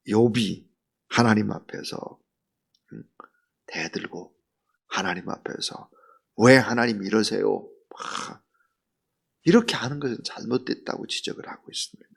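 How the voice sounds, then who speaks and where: Man, pastor, early-morning sermon, husky voice, earnest rhetorical questions, loud then hushed. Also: mid-range voice. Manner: swings from loud emphasis to near whisper.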